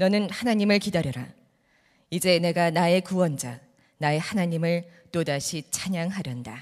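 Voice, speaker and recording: Speaking at a moderate pace, a woman uses a fairly low voice with ordinary pitch variation. Her speech has long, frequent pauses. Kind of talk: scripture reading. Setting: church.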